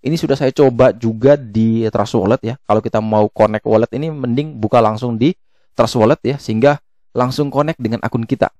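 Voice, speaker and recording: A man's voice: mid-range voice, a little mellow, no echo. A man giving a casual explainer as an online video host, often hesitating and correcting himself as he goes. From Indonesia. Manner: halting, with frequent hesitations and self-corrections. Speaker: YouTube host explaining crypto tokens. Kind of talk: casual explainer, walking through a web page.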